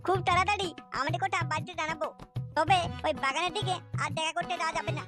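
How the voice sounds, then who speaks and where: A man's voice: extremely high pitch, fairly even intonation, racing. A man voicing a cocky, sweet-talking young schemer in a cartoon comedy. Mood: boastful. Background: music.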